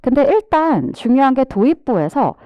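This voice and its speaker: A woman with a high-sitting voice, speaking at a moderate pace, gives a live online TOEFL vocabulary lecture. She lively drills pronunciation, has students repeat English words after her, and addresses the class directly, mixing English words into her explanations. The recording is dry and lo-fi.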